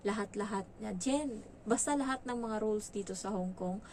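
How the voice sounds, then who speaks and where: A woman from the Philippines working as a domestic helper, telling her story in a casual, lively way, acting out quoted dialogue and mixing in English words. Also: mid-range voice, moderate pace, slight background noise.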